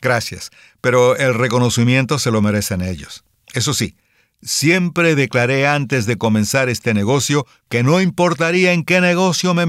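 A man from Cuba playing a toy company president answering interview questions in a sincere, measured way, in a scripted listening-exam dialogue. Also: mid-range voice, fairly bright tone, no room sound, studio quality, natural voice. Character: earnest male immigrant toy company boss.

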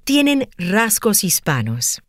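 Woman acting as a polite radio host, lively up-and-down voice, admiring, dry close sound. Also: medium pitch, slow, no echo, full character voice. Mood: gracious. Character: polite female radio talk show host. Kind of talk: scripted listening-exam dialogue.

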